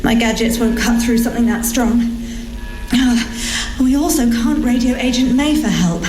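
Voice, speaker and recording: A woman playing a sensible, gently exasperated young scientist agent in an audio drama. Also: a little high, moderate pace, close to an everyday voice. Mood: concerned, analytical. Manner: precise, articulate, gently chiding. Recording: echoey, music bed underneath.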